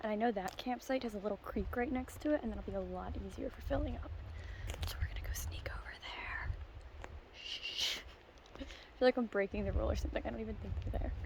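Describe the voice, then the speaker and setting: A woman whispers at a very fast pace, broken by long, frequent pauses, over noticeable background noise. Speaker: car camping vlogger. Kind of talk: casual vlog narration. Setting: outdoors at a campsite. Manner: whispering.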